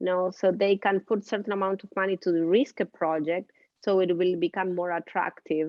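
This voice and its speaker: A woman with a Spanish accent speaks at a medium pitch. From Argentina. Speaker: economist and business school professor. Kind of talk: panel discussion. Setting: video call. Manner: halting, with many repetitions and fillers.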